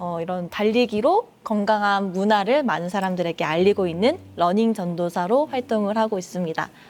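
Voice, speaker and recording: A woman speaks in a plain, everyday voice at medium pitch and a moderate pace, with ordinary pitch variation and hardly any pauses. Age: 20s. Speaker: marathon runner and running advocate. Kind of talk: casual conversation.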